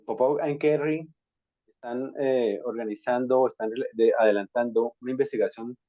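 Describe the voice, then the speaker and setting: A man's voice: mid-range voice, dry recording. Colombian guy hosting an interview, polite, lots of ums, tinny call audio. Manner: courteous, measured, with many hesitations. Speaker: interviewer, school counselor.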